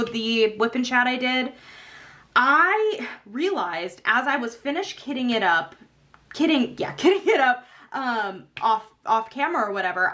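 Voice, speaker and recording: A young woman vlogger chatting casually while crafting, rambling with many fillers and frequent laughs, her voice slightly hoarse. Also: medium pitch, pushed and bright.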